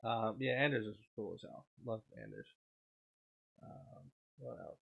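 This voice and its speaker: A man's voice: fairly low pitch, unhurried, narrow, tinny audio. Stuffed-up man chatting on a livestream. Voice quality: frequent throat clearing. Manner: rambling, reads and answers viewer chat. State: stuffed up, sniffling. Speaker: livestream host. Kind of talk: casual livestream chat.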